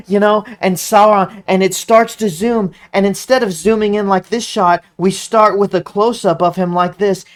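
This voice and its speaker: An online commentator with a mid-range voice gives excited, casual, animated commentary. He stumbles over words and restarts them, and hums tunes aloud along the way.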